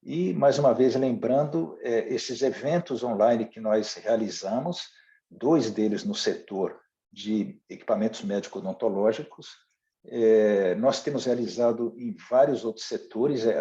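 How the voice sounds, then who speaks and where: A man speaking with a mellow, lowish voice, formal and halting as he addresses a webinar as a trade official. His audio is roomy and echoey, and it comes through dull and lo-fi over the call. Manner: halting and formal, with many restarts. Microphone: video call.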